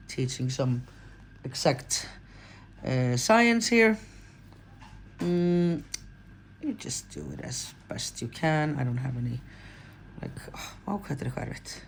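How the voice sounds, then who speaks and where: Icelandic lady in her 40s, low voice, rambly chatty crochet how-to, lots of ums and restarts. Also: darkish tone, a little hiss or hum. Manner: chatty, rambling, self-correcting with fillers. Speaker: crochet pattern designer. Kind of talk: casual how-to tutorial.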